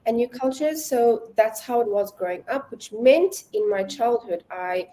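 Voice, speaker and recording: A woman's voice: a little high, expressive, a little slow, mellow, low-quality recording. A South African woman in her twenties, a language tutor chatting casually in an interview, with many fillers and easy laughs.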